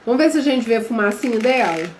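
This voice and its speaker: Quick and lively in intonation, a high-ish female voice leads a live online lesson. The Brazilian teacher, speaking with a Brazilian Portuguese accent, keeps things chatty, addresses her audience as "gente," and tests them with questions. Faint background noise and echo fill the room.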